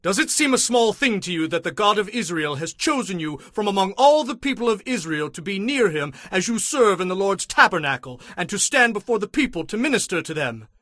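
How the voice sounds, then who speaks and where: Moses, bright, forceful high-voiced prophet. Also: male voice, big pitch swings, brisk, hardly any pauses, no echo, clean studio sound, exaggerated voice. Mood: indignant. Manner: emphatic, commanding, declamatory. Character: Moses, stern, indignant Hebrew prophet and leader. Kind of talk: dramatized scripture acting.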